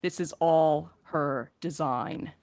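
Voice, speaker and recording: A woman's voice: sits low, slow pace, darkish tone. A woman in a casual podcast Q&A, talking playfully as one of the crew fielding questions.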